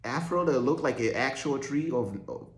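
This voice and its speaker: A man's voice: mid-range voice, lively intonation, moderate pace, roomy sound. A young man from Uganda giving a joking, slangy faith vlog monologue as a Christian content creator.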